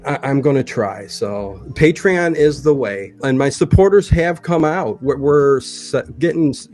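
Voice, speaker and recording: A man's voice: medium pitch, a little slow, darkish tone, faint music behind. A man who makes an online show, chatting casually and earnestly. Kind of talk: casual chat.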